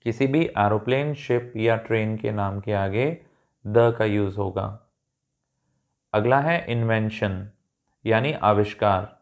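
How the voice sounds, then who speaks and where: A man's voice: lowish voice, takes it slowly. A man teaching English grammar in Hindi with an Indian English accent, patiently repeating points and checking that learners follow.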